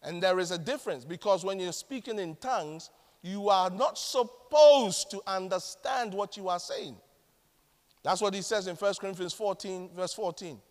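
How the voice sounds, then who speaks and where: Dramatic Ghanaian preacher, high voice. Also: male voice, moderate pace, in a large hall. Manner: dramatic, animated, mimics other pray-ers. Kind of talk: sermon.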